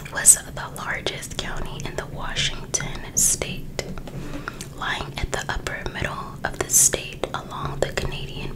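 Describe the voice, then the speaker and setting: A woman softly whispering an ASMR reading as host, in a hushed, unhurried storytelling manner. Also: rough recording. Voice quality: soft unvoiced whisper. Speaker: ASMR host reading a true crime book.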